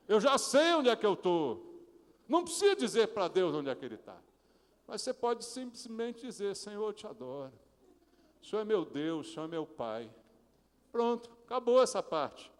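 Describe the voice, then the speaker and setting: Man, Brazilian pastor, sermon, high voice, long church reverb. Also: sing-song, moderate pace. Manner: preaching with rhetorical questions to the congregation; acts out prayers in a hushed, pleading voice. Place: church sanctuary.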